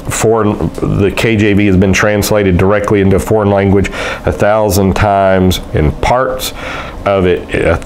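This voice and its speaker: A middle-aged man with a drawl and a deep voice, speaking to a camera set up in front of his desk in a small room. He talks in a loose, unhurried way, reading quotes aloud and pausing often with uh, with a faint hiss under the recording. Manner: conversational, unhurried, pauses with frequent uh fillers. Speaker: pastor. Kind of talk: casual teaching video reading quotes aloud. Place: small indoor room by a window with blinds, seated at a desk. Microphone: fixed camera in front of the desk.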